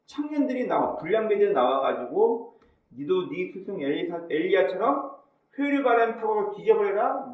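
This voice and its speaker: A pastor delivers his sermon in a high, lively voice, jumping between storytelling and acted-out dialogue. He sounds distant from the microphone, his words ringing through a very echoey church hall. The recording is dull. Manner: animated storytelling, acting out mocking voices and dialogue. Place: church sanctuary.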